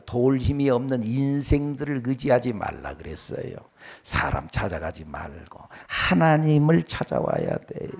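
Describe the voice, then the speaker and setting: A middle-aged male pastor preaching a sermon, swinging between loud emphatic lines and hushed low ones, acting out quoted voices. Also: vocal fry. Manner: acts out quoted voices in dialogue.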